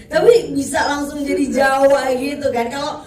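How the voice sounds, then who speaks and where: A woman hosting a press conference, chatty and lively with quick follow-up questions. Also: high-pitched. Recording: distant echoey room, noisy.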